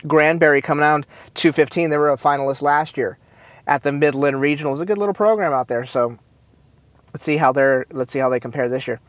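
A man hosting a casual talk show, chatty and upbeat, with many fillers, restarts and quick asides. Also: on the high side, dry recording. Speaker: host. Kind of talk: casual chat about marching bands.

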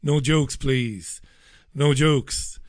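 A male radio host, hoarse and losing his voice, chatting casually and joking as he reads out listener messages. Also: mid-range voice, drawn-out words, no echo, clean studio sound.

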